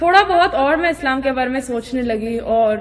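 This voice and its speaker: Her voice is high for a woman. The pitch varies in an ordinary way. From USA, Indian Brahmin family. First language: not Hindi (Hindi is third language) (speaking Hindi). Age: 20s. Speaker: convert giving testimony. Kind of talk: testimony. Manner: halting, many fillers.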